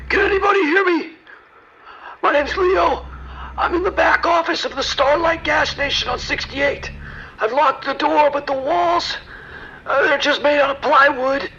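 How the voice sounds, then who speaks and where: A man's voice: very high voice, pushed and bright, full character voice. An actor playing a terrified man trapped and recounting horrors in a horror radio drama. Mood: anxious, pleading. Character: terrified trapped man, panicked and horrified survivor. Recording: dull radio sound with hiss.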